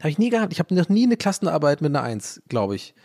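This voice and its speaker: His voice sits on the high side, a little mellow, with big pitch swings and a quick pace. He's a native English-speaking podcast host in his thirties from Dublin, Ireland, whose casual, rambling talk pokes fun at himself and is full of fillers, restarts and jokey swearing.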